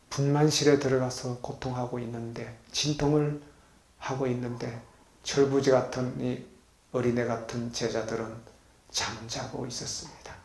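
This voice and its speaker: In an echoey hall at a healing retreat center, a pastor preaches a sermon to his congregation in a medium-pitched voice. He puts questions to the listeners and swings between loud and soft.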